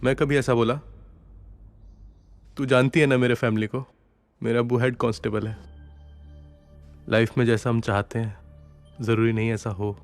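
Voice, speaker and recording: A man's voice: medium pitch, little pitch movement, moderate pace, long pauses, soft background music, close to an everyday voice. An actor voicing a young man torn between his lover and his family in a dubbed film. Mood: earnest.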